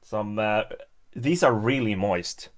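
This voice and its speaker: A man from Sweden, chatting casually and haltingly on his live stream, chuckling between many fillers. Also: on the low side. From Stockholm, Sweden. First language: Swedish. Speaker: YouTuber hosting a live stream. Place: home setup at a table.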